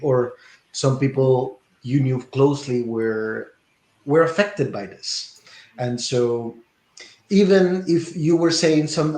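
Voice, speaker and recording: A man's voice: medium pitch, darkish tone. A man from Peru, a guest theater artist answering interview questions in a reflective way, often correcting himself and adding wry asides. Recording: echoey room.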